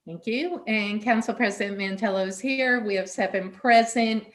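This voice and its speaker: A woman's voice: medium pitch, moderate pace. A woman chairing a council meeting over a video call, friendly and informal, with fillers like uh.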